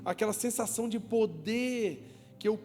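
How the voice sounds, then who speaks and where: A pastor preaching a lively sermon to his congregation, joking with them, asking them questions and calling for applause. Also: high-pitched, normal speed. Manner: joking, asks the crowd questions and calls for applause. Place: church hall with a congregation. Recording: long church reverb, music behind.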